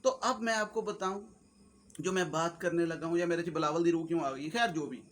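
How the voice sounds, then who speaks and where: High, bright-voiced Punjabi-accented man. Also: a little fast, slight background noise. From Pakistan. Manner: mixes Urdu, Punjabi and English in a joking, animated, rambling way. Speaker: YouTuber host. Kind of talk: casual comic-motivational monologue.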